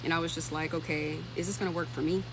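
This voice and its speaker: A woman's voice: sits low, fairly even intonation, quick pace. Thirty-year-old woman chatting casually, noisy background. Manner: informal, conversational, thinking aloud. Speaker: livestream host and tech career content creator. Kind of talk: casual livestream chat, answering comments.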